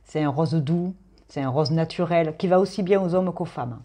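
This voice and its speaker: A woman's voice: sits low, normal speed, mellow. Playful woman chatting thru a tarot reading, lots of "hein". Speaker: tarot reader.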